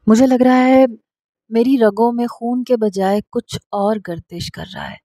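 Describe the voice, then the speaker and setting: A woman's voice: a little high, dark tone, dry recording, studio quality, natural voice. A woman voicing an obsessive, jealous young man in a storybook reading, speaking in a heated, demanding way. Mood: obsessive, angry.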